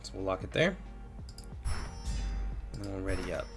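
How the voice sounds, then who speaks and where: A man with a stuffy, congested voice giving relaxed live commentary on a strategy game while answering chat. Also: deep voice, unhurried, over music. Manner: relaxed, thinking aloud with fillers. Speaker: game streamer and mod developer. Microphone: headphones with mic at a computer.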